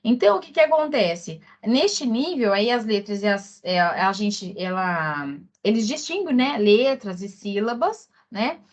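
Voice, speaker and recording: A woman with a Brazilian Portuguese accent, lecturing as a teacher for exam preparation, explaining slowly with many fillers and repeated words. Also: medium pitch, expressive.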